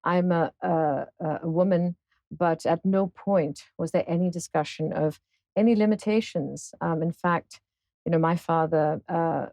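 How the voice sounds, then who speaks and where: A woman in her fifties from Singapore, a guest in an interview, speaking thoughtfully with many pauses and fillers. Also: on the low side, a little mellow, no echo. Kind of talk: casual interview conversation.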